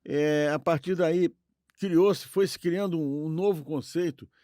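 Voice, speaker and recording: A man's voice: fairly high pitch, a little slow, dark tone, no echo. Brazilian man thinking aloud, dry close sound. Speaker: podcast co-host. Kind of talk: conversational commentary, giving opinions.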